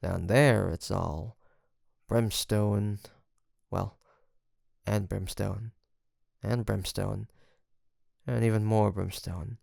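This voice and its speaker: A man's voice: on the low side, gravelly, a little mellow, dry recording, clean studio sound, exaggerated voice. A man playing a seductive, teasing incubus demon in an intimate audio roleplay, with a theatrical, flirtatious drawl and a smug, sweet-talking manner. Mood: savoring, wry.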